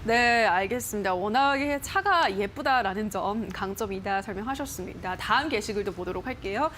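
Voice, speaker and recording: In a TV studio, a woman hosts a stock show, reading viewer posts aloud in playful voices and questioning an expert in a chatty broadcast style. Her mid-range voice is expressive, bright, and chatty at a moderate pace, with a little hiss or hum.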